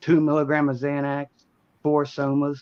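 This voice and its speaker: With a Baltimore accent, a man speaks at a fairly slow pace in a fairly high pitch. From US, Baltimore, Maryland (Essex). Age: 20s. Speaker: recovering heroin addict. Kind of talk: interview.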